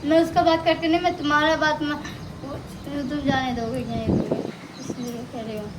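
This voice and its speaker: A woman's voice: high voice, fairly even intonation, moderate pace, natural voice. A woman playing a stubborn whiny young wife. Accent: Maithili-tinged Hindi. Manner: insistent, whiny, repeats her demand. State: hoarse throat. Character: stubborn young wife set on visiting her mother. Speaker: comic sketch actor. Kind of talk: rural comedy sketch acting. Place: outdoors in a village. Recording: loud outdoor noise, village sounds.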